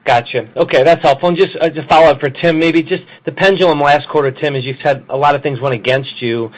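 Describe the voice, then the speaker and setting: A man's voice: fairly high pitch, steady tone, quick pace. A man speaking as a financial analyst on an earnings call, asking informal, rambling questions. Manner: casual, rambling phrasing. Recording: muffled lo-fi conference call audio.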